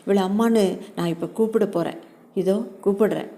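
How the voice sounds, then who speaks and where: A woman reading a story aloud in the first person, narrating in a calm, steady way. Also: mid-range voice, a little fast.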